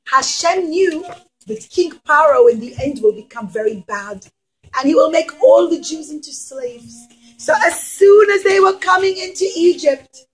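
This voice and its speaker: High-voiced woman telling children a story. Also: poor audio. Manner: emphatic, simple, repetitive phrasing addressed to children. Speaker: preschool teacher. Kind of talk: animated storytelling for young children with puppets. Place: indoors in a classroom.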